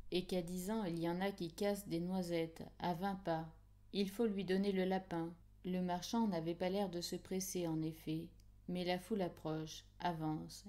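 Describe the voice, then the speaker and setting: A woman's voice: lowish voice, mellow. A woman reading a literary audiobook as a scripted first-person narration.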